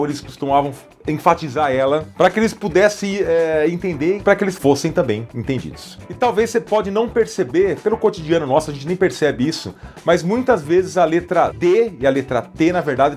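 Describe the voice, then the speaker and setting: A man from Brazil presenting an educational explainer in a relaxed, conversational way, with frequent small hesitations. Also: a little high, brisk, soft background music.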